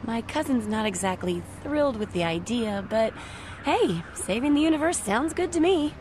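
A man's voice: very high-pitched, animated, moderate pace, a little mellow, a little hiss or hum, pitched above the performer's own voice. A man voicing Supergirl, a young alien heroine, in a motion comic, with a bubbly, upbeat manner. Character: Supergirl, young female alien hero, eager.

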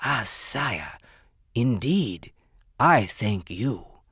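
A man voicing a fawning, eager-to-please male jeweler in a storybook tale, speaking in an obsequious, flattering way. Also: mid-range voice, very slow, slightly rough, no room sound, clean studio sound, full character voice. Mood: deferential.

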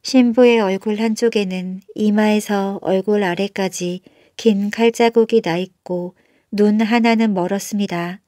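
A woman's voice: medium pitch, fairly even intonation, measured pace, mellow, no room sound. Woman narrating a bedtime folktale, dry close sound. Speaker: storyteller.

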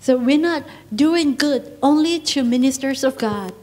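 A woman preaching a church sermon in English. She speaks in short phrases and pauses for her interpreter. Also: high-pitched, lively intonation, darkish tone. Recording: church service.

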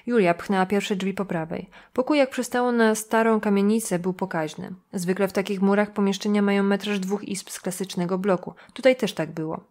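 A woman narrating a crime novel as an audiobook. Her reading is even and measured, with a mid-range voice. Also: mid-range voice. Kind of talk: scripted narration.

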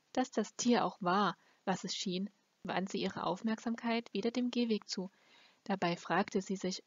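A woman's voice: mid-range voice, slightly rough, no echo. A woman reading a fantasy novel aloud as an amateur audiobook narrator. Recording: dull, lo-fi close recording.

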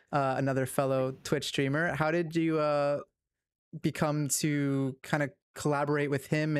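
A young man hosting a podcast, asking interview questions in a relaxed way with fillers. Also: on the high side, clear, resonant tone, no echo. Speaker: podcast host. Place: home streaming room. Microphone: headphones and studio mic.

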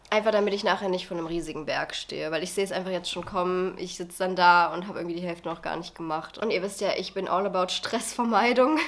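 A young woman in her twenties, a medical student with a cold, chatting casually into a camera held close in her bedroom. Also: lowish voice. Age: 20s. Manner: chatty, rambling, mixes in English phrases. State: stuffy with a cold. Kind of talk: casual vlog chat. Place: small bedroom. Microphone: camera at arm's length.

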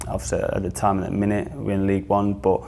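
A man's voice: deep voice, completely flat delivery, fast, creaky, darkish tone, slight background noise. A young man from the north of England with a northern accent, a footballer answering interview questions in a hesitant way, full of fillers and restarts. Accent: northern English. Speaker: football player. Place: small studio, indoors.

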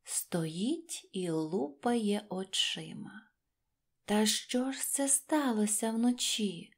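A woman storyteller narrating a rhymed children's tale in an expressive style. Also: mid-range voice, extremely slow. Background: faint music.

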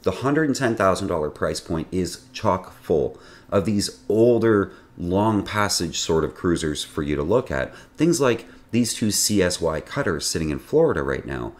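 Deep-voiced man with a lively delivery. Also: normal speed. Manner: lively, chatty delivery with wry asides. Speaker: sailing channel host. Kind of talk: scripted video narration. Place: home office, indoors.

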